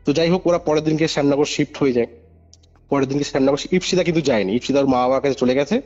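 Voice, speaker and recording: This caller has a medium-pitched, slightly mellow voice and races through his account of a paranormal case. Heard through a muffled phone recording over background music, he tells it informally and emphatically, repeating himself and making sure the listener follows.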